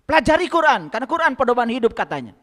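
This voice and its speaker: A man's voice: very high voice, big pitch swings, very fast, pushed and bright, big-room sound. A man giving a spiritual lecture to a congregation, often asking them rhetorical questions and speaking to them directly. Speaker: religious lecturer.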